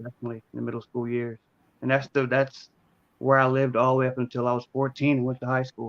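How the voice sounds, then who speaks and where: A man's flat, monotone delivery at a very fast pace, dry and close with no echo. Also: medium pitch for a man. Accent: Baltimore. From US, Baltimore, Maryland (Essex). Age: 20s. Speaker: recovering heroin addict. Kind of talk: interview.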